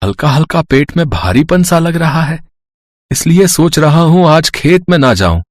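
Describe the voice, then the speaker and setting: A man's voice: a little high, very animated, moderate pace, dry recording. Man playing an earnest village husband, close dry sound. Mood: weary, grumbling. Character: Shamsher, simple caring village farmer husband. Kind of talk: Hindi moral story cartoon dialogue.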